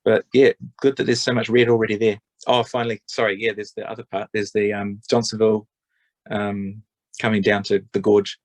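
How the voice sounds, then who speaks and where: Guy with a deep monotone voice rambling through a council submission, lots of ums, dry sound. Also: fairly quick, no echo. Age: adult parent. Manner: rambling, hesitant, many ums and restarts. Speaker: public submitter at council forum. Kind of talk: informal spoken submission.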